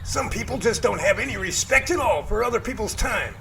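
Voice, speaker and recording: A man playing a folksy, excitable professor who leads a search team in an amateur audio drama, with theatrical, old-fashioned phrasing. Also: high-pitched, brisk, gravelly, a little hiss or hum, exaggerated voice. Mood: exasperated.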